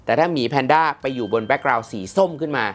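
A man presenting a smartwatch review in a chatty, lively way, with many polite fillers. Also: medium pitch, quick pace. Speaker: tech reviewer.

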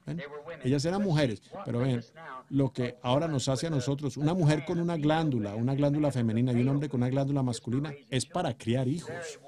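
Hushed-to-loud man preaching a sermon. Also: medium pitch, a little fast, crowd noise. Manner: earnest preaching, swinging between loud and hushed.

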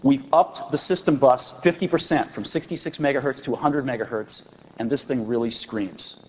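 A man in his forties giving an enthusiastic product launch keynote on a large auditorium stage, pausing for effect and stressing key words. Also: mid-range voice. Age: 40s. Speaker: company executive presenting a product keynote. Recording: dull lo-fi 1999 event recording with faint hiss.

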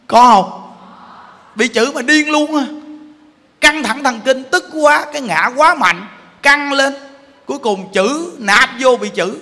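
High, bright-voiced Southern Vietnamese preacher. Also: male voice. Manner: emphatic, playful, asks the audience rhetorical questions. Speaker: Buddhist teacher. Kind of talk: Buddhist sermon. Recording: long hall reverb.

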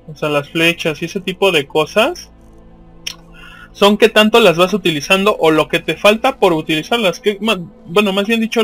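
A man's voice: high-pitched, a bit bright. A man with a Mexican accent giving casual, slangy, profanity-laced commentary as he plays a video game.

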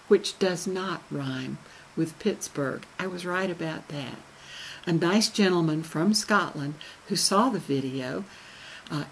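Older Southern woman presenter, low and unhurried, webcam sound with faint hiss. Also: rough recording. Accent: Southern American, softened by radio speech training. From American South. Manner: slow, careful endings, gently humorous. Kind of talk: folksy history talk to camera. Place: wood-panelled room indoors. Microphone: webcam on a video call.

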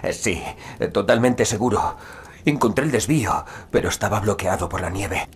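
An actor playing an exhausted, anxious father stranded in a snowstorm, speaking haltingly in an audio drama. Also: fairly low pitch, breathy edge. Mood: anxious, confused.

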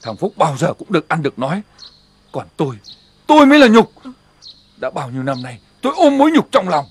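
An actor playing a bitter, domineering village husband who barks orders in a harsh voice in a TV drama. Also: male voice, a little high, wildly swooping pitch, fast, heavily acted. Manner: harsh, gravelly, barking commands. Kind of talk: TV drama acting.

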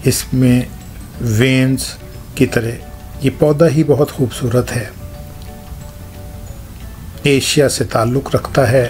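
A man hosting a gardening channel, explaining plant care in short, halting phrases while showing things by hand. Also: medium pitch, steady tone, darkish tone, soft background music. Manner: shows things hands-on while talking.

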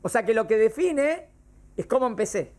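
A man's voice: high voice, sing-song, normal speed, a little mellow. Man, religion teacher, patient classroom explainer who keeps quizzing his students. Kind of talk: classroom lesson on Jewish law.

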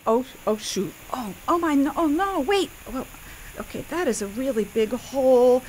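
A woman's voice: high-pitched, expressive, normal speed, darkish tone, slight background noise, rough recording. A woman voicing a frantic, hapless, childlike deckhand, panicky and exclaiming, in an improvised radio drama. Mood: panicked.

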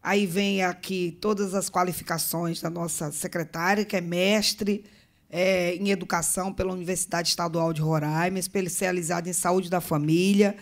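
A woman's voice: fairly low pitch, fairly even intonation, normal speed. Middle-aged woman with a Bahian accent. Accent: Bahian Brazilian. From Bahia, northeastern Brazil. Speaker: state legislator chairing a meeting. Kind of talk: formal presentation speech with informal asides. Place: legislative meeting room, indoors. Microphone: table gooseneck microphone.

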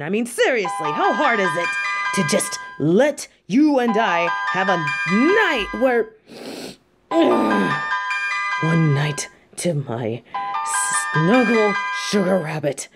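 A woman playing a possessive female mafia boss and doting girlfriend in a scripted, intimate audio roleplay. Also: medium pitch. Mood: exasperated. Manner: swings between cold threats and tender pleading. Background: background music.

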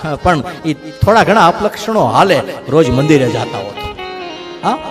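A man's voice: a little high, sing-song, moderate pace, music in the background. A man giving a devotional katha sermon, telling the story dramatically and acting out the quotes. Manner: dramatic storytelling with acted quotes and brief sung lines.

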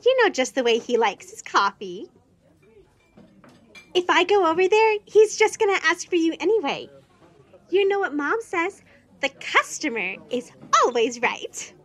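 Shrill, very high-pitched spiteful stepsister. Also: female voice, big pitch swings, measured pace, fairly bright tone, exaggerated voice. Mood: sugary, taunting. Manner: sugary, whiny, taunting.

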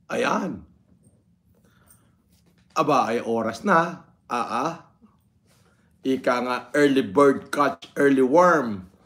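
On a livestream filmed with a phone propped at arm's length, a middle-aged man with a Filipino accent chats casually in an indoor room with a framed painting. He greets viewers in a drawn-out way, with many pauses and interjections, and his medium-pitched voice is a bit bright.

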